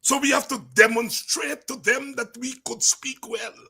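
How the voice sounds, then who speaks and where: A man's voice: fairly even intonation, unhurried, vocal fry, husky. A middle-aged man with a Guyanese accent giving an impassioned, informal talk as a political commentator, telling anecdotes and repeating phrases for emphasis. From Guyana, from the countryside. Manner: emphatic, repeats words and phrases, swings from low asides to shouts.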